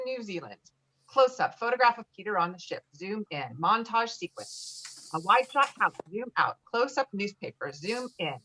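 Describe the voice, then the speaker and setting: Woman reading stage directions, mid-pitched. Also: a bit bright, poor audio. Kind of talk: reading screenplay directions aloud at a virtual table read.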